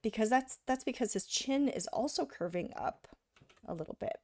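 A woman giving a live drawing lesson, talking casually while she sketches and often checking in with "right?", a little hoarse from being sick. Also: a little high, animated, moderate pace, darkish tone, no room sound. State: slightly hoarse from illness. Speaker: art instructor.

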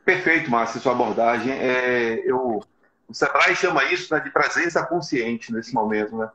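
A man's voice: medium pitch, normal speed, sharp tone. A middle-aged man hosting a motivational live webinar, earnest and exhorting, often adding short tag questions. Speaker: live stream host for a business support agency. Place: small plain room indoors. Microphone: video call, device in front of him. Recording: echoey, slightly dull video call audio.

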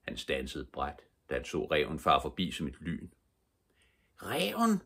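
An older man reading a children's book aloud as a calm, measured bedtime story. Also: a bass voice, husky. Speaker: audiobook reader.

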